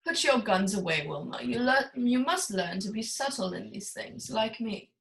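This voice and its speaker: Woman as pompous high-voiced crime boss. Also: lively intonation, normal speed, vocal fry, a bit bright. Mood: scolding. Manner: courtly, pompous, wordy. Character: suave, pompous older male crime boss. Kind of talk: old-time radio play acting.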